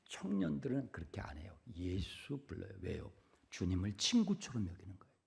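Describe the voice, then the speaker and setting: A man preaching a sermon from the pulpit. He drops to hushed whispers, then repeats words loudly for emphasis, and keeps asking the congregation questions. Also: fairly low pitch, huge pitch swings, fairly quick, creaky, husky. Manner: swings between hushed whispers and loud emphatic repetitions; conversational, asks the congregation questions. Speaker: pastor. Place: church sanctuary pulpit.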